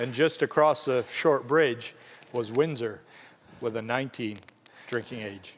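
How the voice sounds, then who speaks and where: The speaker moves at a fairly slow pace with long, frequent pauses and ordinary pitch variation. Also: man, medium pitch for a man. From US Midwest (Detroit). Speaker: team executive. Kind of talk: stage interview at launch event.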